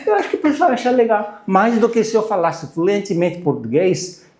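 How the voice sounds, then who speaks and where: A man in his sixties from Brazil, a native Japanese speaker, talking casually as an interview guest in a halting way, searching for words. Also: high-pitched, very animated, darkish tone. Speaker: guest, university lecturer and language student. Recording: roomy, echoing voice recording.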